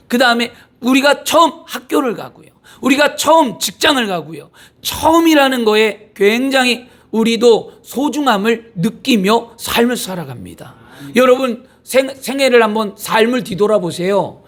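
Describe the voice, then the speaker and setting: A man's voice: very high voice, fairly bright tone. A middle-aged male pastor with a cold, preaching conversationally with rhetorical questions and family anecdotes. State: has a cold. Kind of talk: sermon. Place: church sanctuary.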